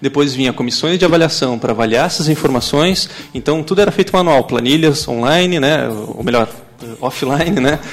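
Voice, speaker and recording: A man with a fairly high voice and ordinary pitch variation talks fairly quickly, with noticeable noise in the background. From Pelotas, southern Brazil. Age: 20s. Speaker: startup co-founder. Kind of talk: radio interview.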